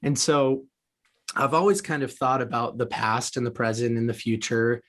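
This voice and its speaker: A man's voice: medium pitch, steady tone, normal speed. A man from the United States hosting a conversational podcast interview, musing reflectively at length.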